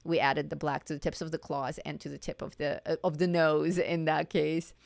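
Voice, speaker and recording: A woman teaching a live-stream coloring lesson, chatty and casual, repeating herself as she corrects her words, her voice starting to go hoarse. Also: sits low, flat delivery, normal speed, no echo. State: voice going hoarse.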